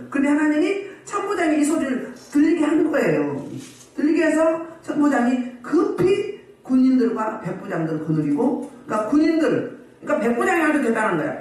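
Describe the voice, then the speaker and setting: A woman's voice: a little high, a little mellow. A woman pastor preaching a sermon at a healing service. She scolds the congregation and keeps firing rhetorical questions at them. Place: church hall. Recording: very echoey hall, voice far from mic.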